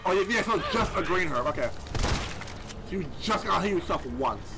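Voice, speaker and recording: With background noise behind him, a gameplay commentator speaks in a high, animated voice, a little fast. The man has a lisp and gives rambling, profane let's play commentary over a horror game, frequently starting his sentences over.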